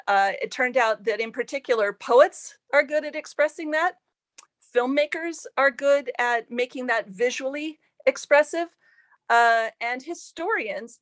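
A woman's voice: fairly high pitch, dry recording. A woman historian answering interview questions thoughtfully, with frequent ums and restarts, in a self-deprecating way. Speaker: author and historian.

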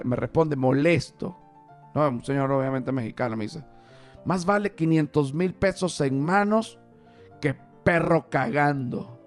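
A man rambles through a casual podcast story, swearing freely and wandering off into jokes. His voice sits at an ordinary middle pitch. Faint music plays behind him in the studio. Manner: rambling, profane, joking digressions. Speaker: podcast host.

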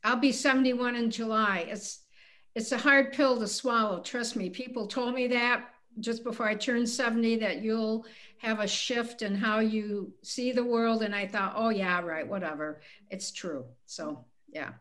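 A woman's voice: fairly high pitch, fairly even intonation, a little slow, a bit bright. Candid woman in her seventies. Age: 70s. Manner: candid, plainspoken, self-deprecating. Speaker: guest. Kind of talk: casual interview conversation.

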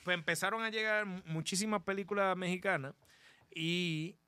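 A young man, a podcast guest telling his story in a relaxed way, with many fillers and repeats. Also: high voice, moderate pace, smooth, no room sound. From Dominican Republic. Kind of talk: casual storytelling chat.

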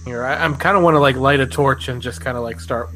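A man's voice: medium pitch, fast, over music. A man playing a tabletop game, talking casually and tentatively as he thinks aloud.

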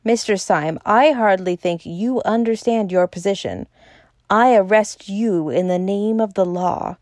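A woman's voice: mid-range voice, a little slow, darkish tone, no room sound, clean studio sound, close to an everyday voice. Woman doing a stiff, formal detective man.

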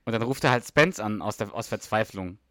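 A man co-hosting a podcast in casual chat, retelling scenes in an animated way and acting out quoted lines. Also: lowish voice, fairly quick, dry recording, clean studio sound. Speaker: podcast co-host.

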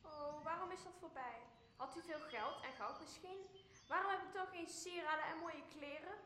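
A woman's voice: high-pitched, moderate pace, bright, forceful tone. A woman playing a greedy, materialistic young daughter in a radio play, firing scornful, accusing questions. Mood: demanding. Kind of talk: Dutch radio play acting. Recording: echoey, faint ambient noise.

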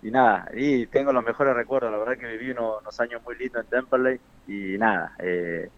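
A man, a football coach, answering radio interview questions in a halting way with repeated words. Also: mid-range voice, dull audio. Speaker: football coach and former player.

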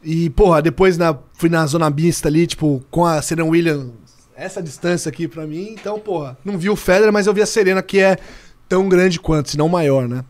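High-voiced Brazilian man telling lively stories. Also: fairly quick. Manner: lively storyteller, swears casually, acts out dialogue. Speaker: podcast guest, sports journalist. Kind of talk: casual podcast chat.

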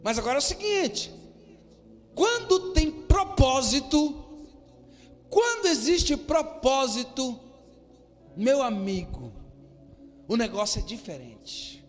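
A man preaches to his congregation in an unusually high voice, sometimes driving his points home with a shout. His words ring out with a long reverb through a church hall, and soft music plays faintly behind him. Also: very animated, takes it slowly, pauses often. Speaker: pastor. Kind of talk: sermon.

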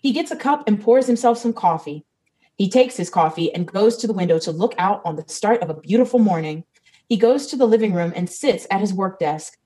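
A woman's voice: mid-range voice, expressive, brisk, dark tone, low-quality recording. A woman reading the stage directions of a comedy script, matter-of-fact.

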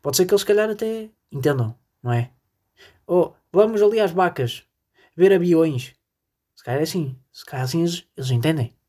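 Husky-voiced podcaster. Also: mid-range voice, a little mellow. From northern Portugal. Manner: rambling, jokey, addresses listeners directly. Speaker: podcast host. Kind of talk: solo comedic podcast monologue.

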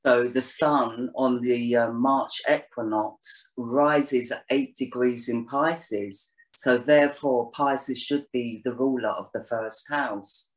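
A woman's voice: extremely low pitch, fairly even intonation, slow, few pauses. A woman guest in a casual interview, talking at length in a rambling way with lots of "you know"s and restarts. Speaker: astrologer guest.

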